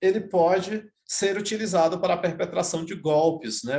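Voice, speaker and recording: A man talks in a high pitch for a man, with ordinary pitch variation. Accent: strong Maranhão. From Maranhão, Brazil. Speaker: cybersecurity lecturer. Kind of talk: lecture.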